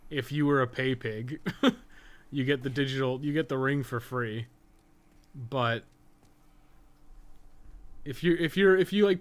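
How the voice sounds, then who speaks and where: A man giving casual, candid live gameplay commentary in an informal, conversational way, as a streamer chatting with viewers. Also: medium pitch. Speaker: game streamer and guide maker.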